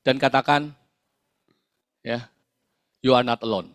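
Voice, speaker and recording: A man's voice: mid-range voice, steady tone, slow pace, noisy background. A man, a sales team leader giving a motivational talk to his team, full of fillers and tag questions.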